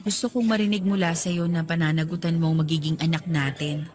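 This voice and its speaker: A woman's voice: low-pitched, fairly even intonation, brisk, darkish tone, close to an everyday voice. A woman with a Filipino accent acting as a loving, teasing and direct young girlfriend in a radio romance drama. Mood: nervous, serious.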